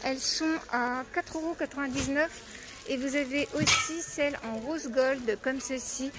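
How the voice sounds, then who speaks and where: A woman's voice: high voice, unhurried, very noisy. A woman walking through a discount store and chatting enthusiastically about the items on the shelves, with lots of fillers along the way. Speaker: shopping vlogger. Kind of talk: casual store haul walkthrough.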